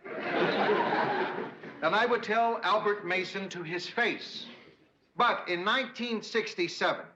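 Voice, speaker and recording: An actor playing a gruff, blunt, middle-aged male news boss. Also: fairly high pitch, animated, normal speed, close to an everyday voice. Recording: dull, very noisy old TV audio.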